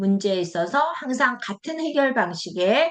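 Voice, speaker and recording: Very slow in pace, a woman's voice moves through very wide pitch swings. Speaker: professor. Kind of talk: lecture. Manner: clipped, sharp delivery.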